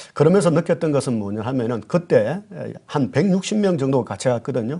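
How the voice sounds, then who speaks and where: The man's intonation is lively. His tone comes across dark and mellow. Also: quiet background. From South Korea. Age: 50s. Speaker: professor of diplomacy. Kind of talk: news interview. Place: studio. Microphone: lapel.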